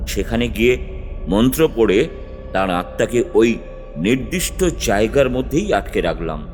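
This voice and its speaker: Guy doing a dramatic first-person ghost story narration, music clearly under him. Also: mid-range voice, darkish tone. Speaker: narrator and tantric guru. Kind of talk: scripted horror narration.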